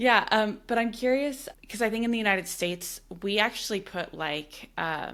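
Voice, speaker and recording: In a very clean recording with a silent background, a woman with a normal speaking voice talks at a moderate pace in an American accent, her fairly high pitch showing ordinary pitch variation. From Texas. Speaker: podcast host. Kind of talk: casual chat.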